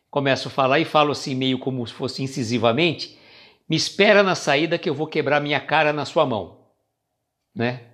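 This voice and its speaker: A Brazilian man hosting a spiritist reflection stream, talking casually and greeting viewers by name. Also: medium pitch. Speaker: host of a spiritist reflection livestream.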